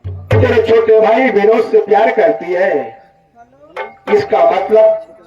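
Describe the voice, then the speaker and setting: A man playing a grief-stricken village husband and father in folk stage theatre, declaiming in a drawn-out lament. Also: high-pitched. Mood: anguished. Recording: dull far-off echoey stage recording with loud music.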